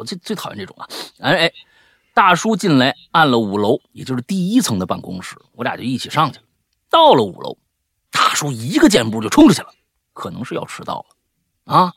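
A male host with a husky, slightly rough voice reads out stories in a chatty, animated style. His pitch swings widely, and he tends toward exasperated, nagging grumbles. The sound is close and dry. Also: a little fast, no room sound. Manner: grumbling, scolding, exasperated rants. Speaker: host reading listener stories. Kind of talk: animated storytelling with chatty asides.

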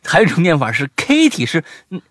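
A man's voice: on the high side, fast, no room sound, clean studio sound. A young adult man hosting a podcast, retelling listener stories in casual chat and dropping to a whisper for suspense. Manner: animated storytelling, drops to a whisper for suspense. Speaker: podcast host.

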